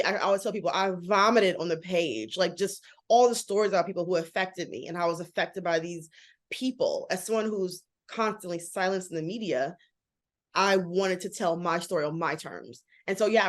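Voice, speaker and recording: A woman in her thirties chats as an interview guest. Her voice sits a little low, and she talks fast and animatedly with lots of "like" fillers. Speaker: guest, author and model. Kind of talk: casual interview talk.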